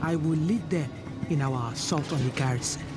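An earnest tribal leader voiced by a man speaks in formal, urgent tones. His voice sits a little high. Game music swells behind him. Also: brisk, close to an everyday voice. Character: noble male tribal leader, earnest and grave. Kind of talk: game character dialogue. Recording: game audio with loud music.

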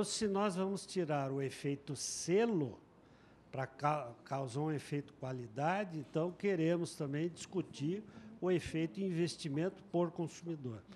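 An older man on a handheld microphone in a large auditorium, making measured points as a consumer council representative at a public meeting. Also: a little high, mellow, a little hiss or hum. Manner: deliberate, measured questioning. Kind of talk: formal public meeting remarks.

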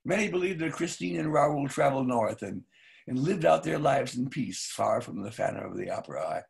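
An older man playing a grave, wistful storyteller, measured and slightly halting, in a staged reading over a video call. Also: medium pitch, very animated, gravelly. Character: grave, wistful male storyteller recounting mystery. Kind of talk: dramatic narration in staged reading. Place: book-lined home room, video call.

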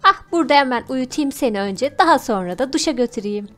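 A woman with a very high, girlish pitch hosts a game role-play. She speaks in a theatrical, exclamatory way, with faint music behind her. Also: lively intonation, quick pace. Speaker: gaming video host. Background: background music.

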